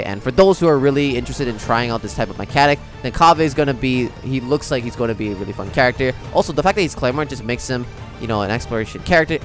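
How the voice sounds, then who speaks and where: A man's voice: on the high side, a bit bright. A man speaking as a gaming YouTuber, giving casual, slangy, conversational reaction commentary and sometimes reading aloud.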